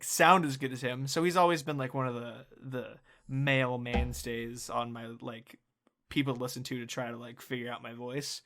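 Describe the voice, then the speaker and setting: A young man with a tenor voice, co-hosting a casual podcast chat, excitable and swearing a lot with many fillers. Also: mid-range voice. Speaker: podcast co-host.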